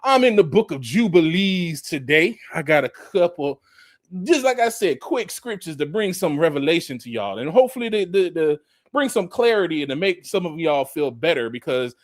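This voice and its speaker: A man's voice: a little high, sing-song, normal speed, dry recording, studio quality. A man in his forties teaching from scripture in a casual, conversational preaching style, restarting phrases and adding emphatic, mocking asides. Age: 40s. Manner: conversational preaching with frequent restarts and "you know". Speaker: Bible teacher.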